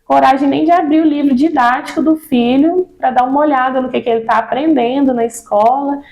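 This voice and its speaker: Her voice sits high and a little mellow, brisk and steady in tone, though the audio is dull. A Brazilian woman with a Brazilian Portuguese accent, she talks earnestly about children's ministry in a casual interview, insisting her points, repeating words, and tagging sentences with "né."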